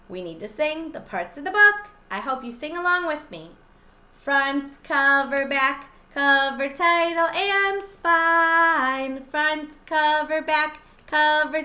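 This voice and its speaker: A pre-K teacher, a woman, reading a picture book aloud to young children in an expressive, sing-song way. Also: high-pitched.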